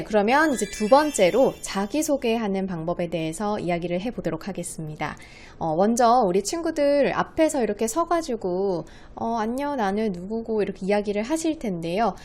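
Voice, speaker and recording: A woman's voice: medium pitch, expressive, normal speed, darkish tone. A woman speech coach giving a patient, friendly lesson to schoolchildren, writing on a board as she talks. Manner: friendly, patient teacher voice addressing children.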